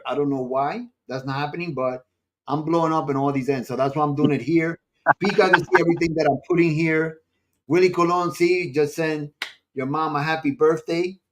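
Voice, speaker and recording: Guy hosting a live stream interview, kinda high voice, casual, repeats himself a lot. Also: steady tone, normal speed. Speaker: host of a live online interview show. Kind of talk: casual chat with guest and online audience.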